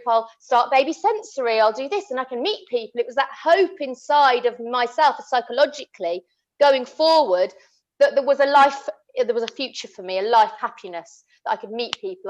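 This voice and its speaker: A woman, talking earnestly and passionately, often restarting her sentences. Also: sits high. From England. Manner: impassioned, earnest, many restarts. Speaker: podcast co-host. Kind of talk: casual chat. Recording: dull lo-fi audio.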